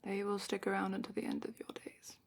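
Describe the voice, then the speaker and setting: A woman playing a gentle, knowledgeable dragon keeper in a fantasy ASMR roleplay, speaking in a hushed, breathy, unhurried way that often drops into a whisper. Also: medium pitch, completely flat delivery. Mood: hushed, informative. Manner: hushed, unhurried, careful explaining.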